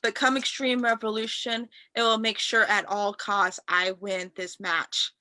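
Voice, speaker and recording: A woman's voice: mid-range voice, level tone, measured pace, sharp tone, no room sound. A woman playing a cocky young male wrestler, a vengeful braggart, in an amateur staged reading of wrestling promos. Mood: menacing, boastful.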